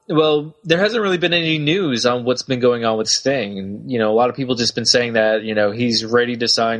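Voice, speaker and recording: A man's voice: mid-range voice, a bit bright. A man co-hosting a casual talk show, speaking hesitantly with many fillers as he works through his thoughts. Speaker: podcast co-host.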